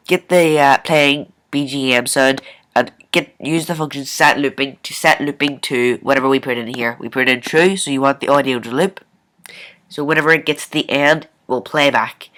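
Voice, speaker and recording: A man hosting a casual coding screencast, thinking aloud informally and haltingly as he works at his computer. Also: medium pitch, bright, forceful tone, smooth. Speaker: programming tutorial host. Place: indoors at a computer, screen recording.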